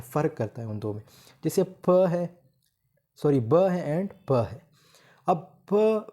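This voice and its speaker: A man teaching English phonetics, mixing Hindi-Urdu talk with slowly read English definitions as he writes on a board. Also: fairly high pitch, dark tone. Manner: writes on a board while explaining. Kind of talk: lecture explaining phonetics.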